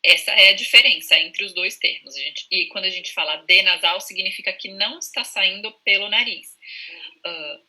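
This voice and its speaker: A Brazilian woman speaks with a strikingly bright, forceful tone, her pitch sitting in an ordinary middle range. As a speech therapist she explains patiently and pronounces sample sounds aloud to show them. She talks over a video call. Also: moderate pace, husky, rough recording. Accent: Brazilian Portuguese. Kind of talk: explanatory interview answers.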